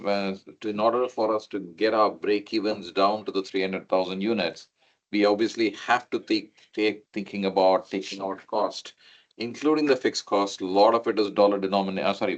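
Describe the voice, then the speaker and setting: Low-pitched male executive, muffled call audio. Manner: methodical, enumerating points. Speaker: company finance executive. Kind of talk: earnings call commentary.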